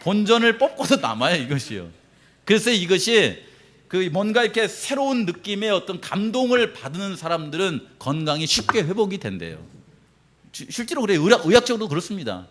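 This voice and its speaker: A middle-aged man preaching a sermon as pastor, animated, acting out quoted reactions and laughing often. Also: high voice, fairly quick, a little hiss or hum.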